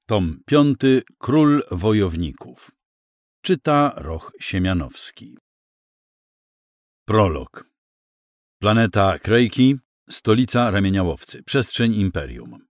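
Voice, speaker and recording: Male audiobook narrator, low voice, dry close recording, measured read. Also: sing-song, no echo.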